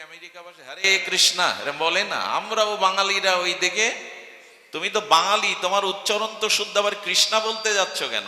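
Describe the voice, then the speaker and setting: Bright-voiced man preaching, storytelling with rhetorical questions, long echo from the hall. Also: on the high side. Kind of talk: devotional sermon. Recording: echoey hall.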